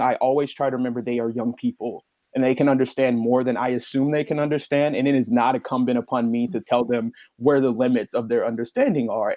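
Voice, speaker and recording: A man speaking reflectively as a writer on a panel, in a deliberate and earnest manner. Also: medium pitch, a little mellow, no room sound.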